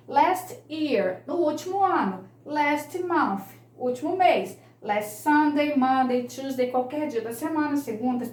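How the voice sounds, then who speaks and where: Woman, teacher, explanatory lesson, repeats points, unhurried, roomy echo. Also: sits high, a little mellow. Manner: slow, patient, repeats key points. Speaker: English teacher.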